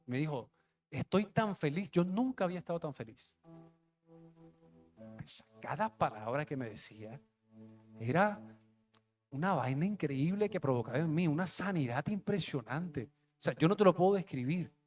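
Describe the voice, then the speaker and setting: A man's voice: a little high, animated, moderate pace, long pauses, darkish tone, faint music behind. A young adult man, a pastor, telling a personal testimony in a conversational, emotional sermon. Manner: conversational, emotional storytelling with street slang.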